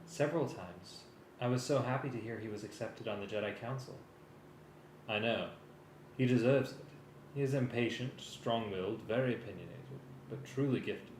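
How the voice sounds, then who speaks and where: A man's voice: mid-range voice, moderate pace, a little mellow. A man talking casually and hesitantly, thinking aloud as he works and sometimes reading from a script. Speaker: music arranger preparing a live table read. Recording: echoey room with faint noise.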